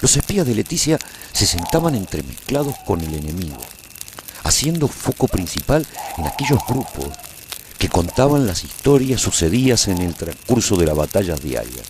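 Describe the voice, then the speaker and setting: A man's voice: low-pitched, sing-song, normal speed, a little hiss or hum. A male actor playing a weary, nostalgic warrior who survived the end of the world, narrating his saga in a solemn, theatrical radio drama style. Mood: grave, mysterious. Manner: solemn, brooding, theatrical delivery. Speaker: narrator and protagonist of a radio serial.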